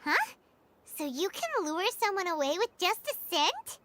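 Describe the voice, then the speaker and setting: Very high, squeaky childlike fairy. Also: female voice, sing-song, unhurried, a bit bright, a little hiss or hum, heavily acted. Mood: puzzled. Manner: squeaky, childlike, speaks of self in third person. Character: tiny childlike floating fairy companion, excitable and cute. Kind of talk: video game voice acting. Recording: game music under the voice.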